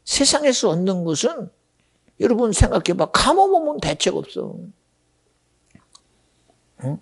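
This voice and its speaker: A middle-aged man preaching a sermon as pastor, talking directly to his congregation with questions, dropping to hushed asides and rising to shouts. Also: sits high, vocal fry, husky.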